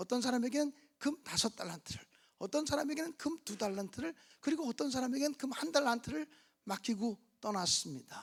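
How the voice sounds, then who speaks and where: A man at an extremely high pitch, moving at a fairly quick pace. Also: lively intonation. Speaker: guest preacher at revival meeting. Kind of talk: sermon. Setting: church with congregation. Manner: fast.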